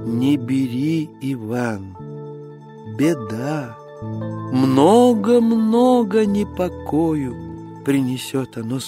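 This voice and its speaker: A reader voicing a gentle, wise little humpbacked horse who speaks low and soothing in a storybook verse tale.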